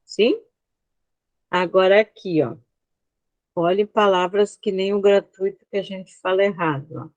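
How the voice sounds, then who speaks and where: A woman's voice: mid-range voice, measured pace, pauses often, no echo, lo-fi sound. A Brazilian woman teaching an online class, explaining slides step by step and often checking that her students follow. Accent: Brazilian Portuguese.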